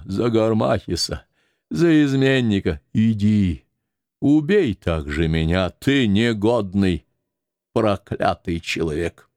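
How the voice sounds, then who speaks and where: A man reading an audiobook voices a grieving 86-year-old nurse who laments and scolds in a high, quavering voice. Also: a little mellow, no room sound, studio quality. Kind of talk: audiobook character voice.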